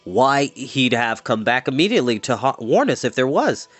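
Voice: medium pitch, big pitch swings, moderate pace, soft background music. A performer voicing an earnest, reassuring young king who is eager to help, in a storybook.

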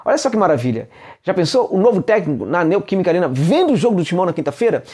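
Husky, fast-talking Brazilian man vlogging. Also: sits high. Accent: Brazilian Portuguese. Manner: animated, emphatic, gestures with hands, many fillers. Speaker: football commentator. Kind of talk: casual vlog commentary. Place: indoor room with bookshelves. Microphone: clip-on lapel mic.

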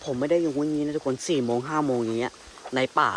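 A man with in his speech, vlogging in hushed, tense tones while walking through a dense rainforest with a companion, using coarse slang. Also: a little high, fast talker, a little hiss or hum. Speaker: ghost-hunting vlogger. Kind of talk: whispered jungle exploration vlog. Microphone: handheld camera.

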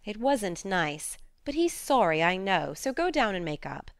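Storybook heroine: female reader as a bold, sensible teenage girl, soothing and frank, clean smooth tone. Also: mid-range voice, sing-song, measured pace, no room sound, studio quality. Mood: coaxing, sensible. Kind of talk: storybook character dialogue.

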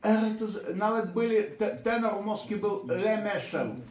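A man's voice: sits high, unhurried, a little mellow. A man working as a therapist and court expert, giving a lecture-style talk in an emphatic, digressive way. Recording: echoey room.

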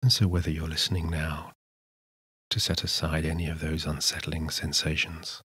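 A man narrating a scripted sleep hypnosis session in a soothing, measured manner with unhurried pauses. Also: a bass voice, little pitch movement, a bit bright, slightly rough, dry recording, studio quality. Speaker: hypnotist, guided meditation narrator.

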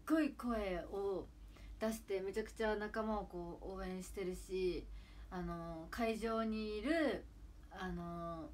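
A woman's voice: mid-range voice, a little mellow, a little hiss or hum. Bubbly young woman chatting on a livestream. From Kagawa, Japan. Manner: bubbly, gushing, chatty with viewers. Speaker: idol livestream host. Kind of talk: casual livestream chat.

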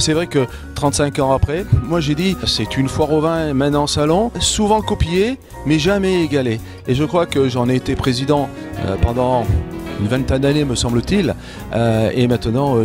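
An older man recalling a wine fair he founded, speaking slowly with many pauses and restarts into a handheld mic. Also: mid-range voice. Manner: hesitant, many fillers and restarts. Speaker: festival founder interviewed. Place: indoor event space, stand with banners.

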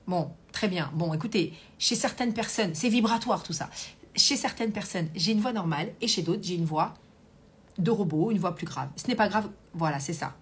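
A woman's voice: medium pitch, expressive, moderate pace, slightly rough. A woman coach hosting a live stream, chatting casually, reading comments aloud and talking with many fillers. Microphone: Bluetooth hands-free earpiece.

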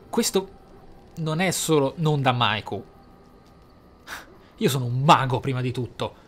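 A man's voice: medium pitch, slight background noise. A man hosting a role-playing let's play, musing aloud with theatrical interjections. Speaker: gamer, let's play host. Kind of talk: role-playing game commentary. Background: game music.

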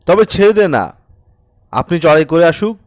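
A man voicing a haughty, callous Brahmin priest in an audiobook story, with sharp taunts and contemptuous commands. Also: on the high side, lively intonation, moderate pace, no room sound, studio quality, pitched above the performer's own voice, natural voice. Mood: impatient.

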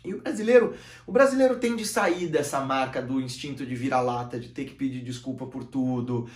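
Animated Brazilian man in a roomy room. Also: fairly quick. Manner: expressive, gesturing, shifting volume and pitch often. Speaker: channel host. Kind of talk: animated philosophical monologue to camera. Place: small room with bookshelves, seated in armchair. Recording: roomy echo.

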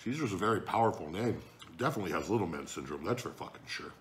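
A man's voice: deep voice, animated, fast, slight background noise. A man talking with his mouth full while eating on camera, crude and blunt, swearing as he rambles. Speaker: mukbang vlogger. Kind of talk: casual chat while eating.

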